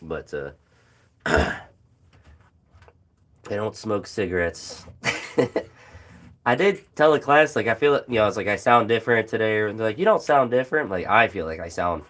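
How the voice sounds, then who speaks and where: A young man, a phys ed teacher, chatting casually about his training with a hoarse, phlegmy throat and many fillers and pauses. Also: lowish voice, sing-song, a bit bright. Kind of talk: casual vlog chat while training.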